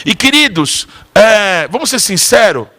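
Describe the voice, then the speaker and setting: A man's voice: high-pitched, sing-song, measured pace, sharp tone. A male pastor preaching a sermon, telling a story and often calling for audience responses.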